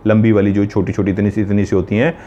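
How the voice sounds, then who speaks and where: A man with a low, dark and mellow voice teaches spiritual remedies in a slow, earnest, repetitive way. He lays out every step plainly and goes over it again. The sound is a bit dull and lo-fi. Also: level tone. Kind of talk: instructional talk on spiritual remedies.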